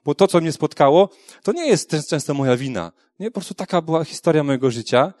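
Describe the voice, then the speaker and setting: A man's voice: fairly high pitch, sing-song, fast talker, a little mellow, no room sound, studio quality. Earnest man, candid faith testimony. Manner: conversational, frequent tag questions and restarts; frank and earnest. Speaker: speaker giving a faith testimony. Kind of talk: personal testimony talk.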